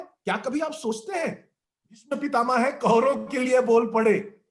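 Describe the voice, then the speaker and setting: A man speaking as a guest in a discussion, giving a measured, teacherly talk and reciting verses and couplets along the way. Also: very high voice. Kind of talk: didactic talk on the art of speaking.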